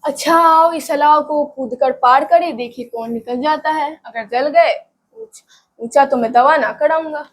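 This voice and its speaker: A woman's voice: high voice, a little slow. A woman voicing a poor, weary male village farmer in a plain, conversational way. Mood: coaxing. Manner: plain, lightly acted, conversational.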